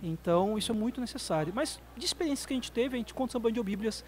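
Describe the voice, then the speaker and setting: A man with a Brazilian Portuguese accent, a missionary guest on a podcast, telling his stories in an emotional, animated way. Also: extremely high pitch, quick pace. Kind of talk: podcast conversation.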